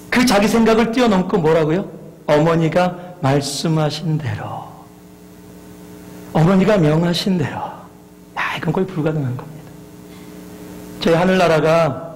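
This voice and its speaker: A male pastor preaching a sermon in a church, animated and putting questions to the congregation. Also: fairly high pitch. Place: church sanctuary. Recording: long hall reverb.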